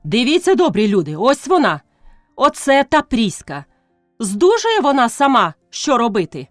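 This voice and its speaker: A woman's voice: a little high, huge pitch swings, normal speed, no room sound, studio quality, faint music behind, voice pushed up. A woman reading a novel aloud, voicing a village man who urgently pleads and protests with a raised voice. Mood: pleading, indignant. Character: shouting village man, defending a widow.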